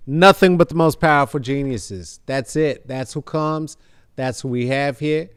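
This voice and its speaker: A man hosting a casual chat show, rambling and playful, moving from quiet earnest thanks to loud hype. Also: mid-range voice, unhurried, clear, resonant tone, no echo, clean studio sound. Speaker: podcast host. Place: video call.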